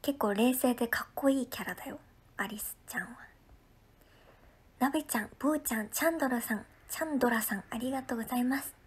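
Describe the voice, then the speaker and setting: A woman with an Ehime accent, chatting casually on a livestream and reading out viewer comments. She is friendly and talkative and often drops into soft, breathy asides. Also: fairly high pitch, fast talker. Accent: Ehime Japanese. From Ehime, Japan.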